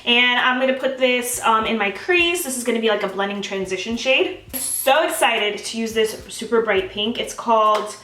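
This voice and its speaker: A woman's voice: on the high side, moderate pace, bright, forceful tone, reverberant, recorded from a distance. A young woman chatting bubbly and gushing through a makeup tutorial at home, talking straight to her viewers. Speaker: beauty vlogger. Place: home, filming herself.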